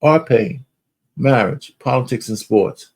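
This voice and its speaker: A man's voice: medium pitch, slow pace, a little mellow, breathy edge. A man hosting his own talk show, speaking bluntly in a loose, rambling way with some swearing. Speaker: host. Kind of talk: casual talk show monologue.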